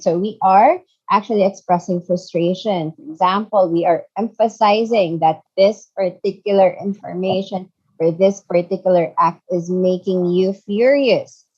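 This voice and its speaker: A woman's voice: lowish voice, a little mellow, slightly rough, muffled recording. A woman teaching an online English grammar lesson, patient, often checking in with "okay" and "so there.". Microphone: video call.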